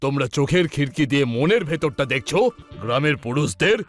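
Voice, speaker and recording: A man's voice: on the high side, fast talker, close to an everyday voice. A man voicing a goofy, complaining cartoon buddy who talks in singsong rhymes. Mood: comic grumbling. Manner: singsong rhyming, dramatic complaining. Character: goofy, whiny, rhyming cartoon buddy, comic male. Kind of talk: children's cartoon dub. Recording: faint music behind.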